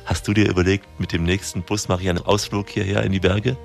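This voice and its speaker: A man's voice: deep voice, level tone, fast, creaky, faint music behind. A man from Saxony working as a TV reporter, narrating and asking chatty, leading questions in an interview. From Saxony, Germany.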